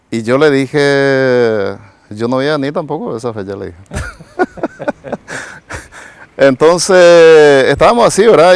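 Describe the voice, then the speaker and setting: A man's voice: mid-range voice, clean tone, no echo. A man, a pastor giving a rambling personal testimony in an interview, tagging his phrases with a questioning "right?". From Paraguay. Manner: rambling storyteller, tags nearly every phrase with a questioning "right?". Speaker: pastor and evangelist, interview guest.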